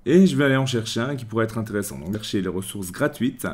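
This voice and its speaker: A man from France hosting a screen-recorded software tutorial, chatty, with many restarts, walking through each click. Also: on the low side, animated, fast. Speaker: tutorial host.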